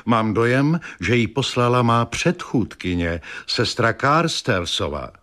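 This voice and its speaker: A man's voice: mid-range voice, lively intonation, fairly bright tone, lightly acted. A man voicing a sensible older nurse in a read-aloud story, speaking in a level-headed, matter-of-fact way.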